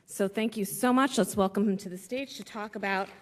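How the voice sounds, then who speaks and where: A woman's voice: medium pitch, fairly quick, slight background noise. A woman moderating a symposium, introducing the next speaker in an informal, joking way. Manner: informal, repeats words, joking. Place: large conference hall. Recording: echoey conference hall.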